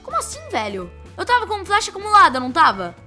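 Young brazilian woman gamer, super high voice, bright and sharp, yelps and repeats stuff, faint game music. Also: fast talker. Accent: Brazilian Portuguese. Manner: excitable, exclaiming and repeating herself. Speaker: gaming youtuber. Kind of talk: casual gameplay commentary.

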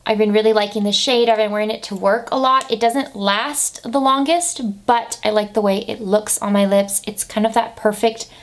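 A woman's voice: mid-range voice, fairly even intonation, moderate pace, few pauses. Young woman, mid-twenties, chatty beauty vlogger, casual and upbeat, camera at desk distance. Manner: chatty, upbeat, lots of "like" fillers. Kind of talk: casual monthly favourites chat. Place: bedroom with desk and lamp, indoors.

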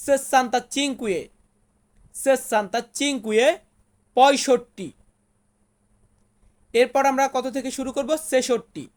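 A woman with a slightly high voice gives a patient, step-by-step language lesson. She speaks very slowly, saying each new word with care and repeating it before she explains it. Now and then she puts a question to the listener. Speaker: language teacher.

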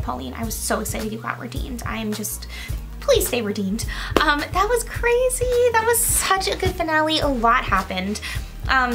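A woman giving casual reaction commentary on a show as she watches, gushing and excitable, full of gasps and exclamations. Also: on the high side. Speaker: reaction video creator.

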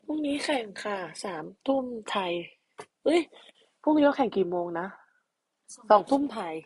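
A young woman chatting casually with fans on a live stream, reading their comments and sometimes slipping into soft whispers. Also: high-pitched, lively intonation, moderate pace, slightly rough. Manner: playful, reads comments aloud, drops to soft whispers.

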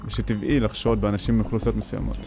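Low-voiced male news narrator. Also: creaky, over music. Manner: even, formal.

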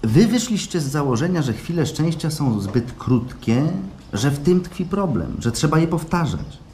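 Tired thoughtful client in radio drama, mellow dark voice, reserved, slight noise behind. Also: male voice, on the high side, very animated, normal speed. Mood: reflective. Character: weary, reflective male client, quietly bitter and polite. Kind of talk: radio play acting. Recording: faint background noise, live stage.

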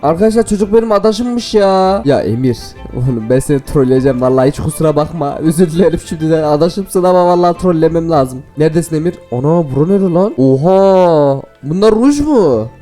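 A man hosting a gaming video, giving excited, playful commentary to viewers and laughing often. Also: a little high, brisk, hardly any pauses, faint music behind.

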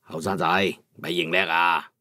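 A man's voice: low-pitched, steady tone, normal speed, bright, forceful tone, no echo, clean studio sound. An actor playing an elderly, patient master craftsman in a Cantonese audio drama, genial and avuncular but unbending. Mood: cautioning. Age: older.

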